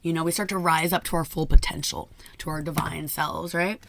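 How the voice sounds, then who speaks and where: A hoarse woman who has nearly lost her voice gives a chatty daily tarot reading into a microphone, laughing often. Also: low voice, fairly even intonation, fairly quick, a bit bright. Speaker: tarot reader.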